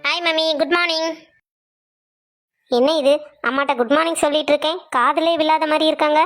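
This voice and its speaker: A woman's voice: high voice, steady tone, a little fast, fairly bright tone, faint music behind. A woman doing a sulky young son. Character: young adult male son, an office worker, defensive and lovestruck.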